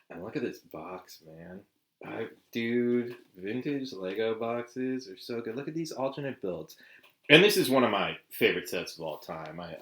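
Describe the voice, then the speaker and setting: Laid-back, swearing man, animated and bright. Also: lowish voice. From Southern California. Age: 40s. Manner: laid-back, swears often, lots of "like" and "dude". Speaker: vlog host. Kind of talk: casual chat to camera.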